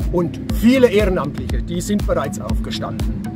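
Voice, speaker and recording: Over clear background music, a man speaks at a fairly slow pace in a dry sound with no echo. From Lower Main region, Germany. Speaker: stadium announcer. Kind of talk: promotional club message to fans. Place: stadium.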